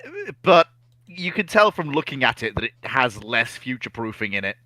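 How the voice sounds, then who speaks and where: A man's voice: mid-range voice, big pitch swings, moderate pace, sharp tone, dry recording. A man giving opinionated casual commentary as a livestream panellist, emphatic and sarcastic in his manner.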